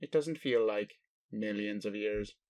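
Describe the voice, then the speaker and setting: A man playing an ancient alien father in a roleplay audio, speaking formally with pauses to his adopted human, fond and bemused. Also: fairly low pitch, a little mellow, lightly acted. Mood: earnest. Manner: slow, formal phrasing with pauses, addresses listener as human. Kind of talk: roleplay audio addressed to the listener.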